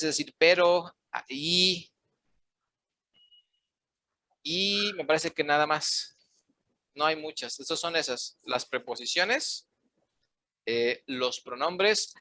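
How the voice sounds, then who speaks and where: A bright, lively man leads a language class. His voice sits a little high and close to the mic. The sound is dry. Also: dry recording. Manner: switches between Spanish explanations and simple classroom English. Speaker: English teacher. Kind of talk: online class instruction.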